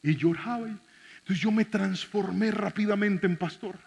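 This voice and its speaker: A male pastor telling a story in a sermon, dramatic, swinging from shouts to hushed tones. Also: high voice, measured pace, vocal fry, husky. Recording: reverberant hall.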